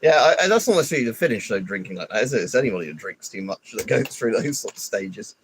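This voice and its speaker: Male streamer, husky low voice, congested, rambling and irritable. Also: expressive, fast talker. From United Kingdom. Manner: rambling, irritable, swears often. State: stuffy with hay fever. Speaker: livestreamer. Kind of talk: casual live stream chat.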